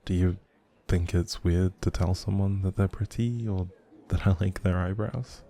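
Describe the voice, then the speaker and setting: A man playing a socially anxious, kind stranger in an intimate audio roleplay, rambling hesitantly and doubting himself in a soft, breathy voice. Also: low voice, fairly even intonation, unhurried. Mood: pensive, unsure.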